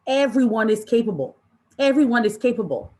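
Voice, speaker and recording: A woman presenting an interactive online training session in an impassioned, deliberate way, with emphatic repetition and rhetorical questions. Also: on the high side, lively intonation, darkish tone. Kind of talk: impassioned interactive workshop talk to an online audience.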